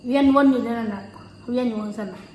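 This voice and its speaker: In a roomy, slightly noisy recording with insects, a woman speaks in a fairly high voice. She has an Isan accent from northeastern Thailand. She chats casually, telling her stories while chewing. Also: very fast, warm tone. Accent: Isan, northeastern Thai. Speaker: vlogger. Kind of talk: casual chat, recounting personal stories. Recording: roomy echo, faint noise, insects.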